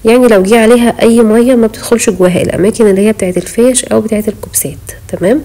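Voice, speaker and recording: A woman's voice: a little high, very fast, mellow, low-quality recording. A woman with an Egyptian accent, chatting in a home vlog voice-over, a bit out of breath as she talks. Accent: Egyptian Arabic. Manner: chatty, pious, talks straight to viewers. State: short of breath while talking. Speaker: home vlogger. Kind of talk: casual voice-over chat.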